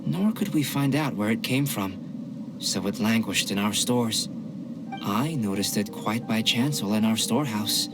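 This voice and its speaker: A man playing a calm scholarly alchemist. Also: mid-range voice, background noise, lightly acted. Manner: measured, formal, analytical. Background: game music.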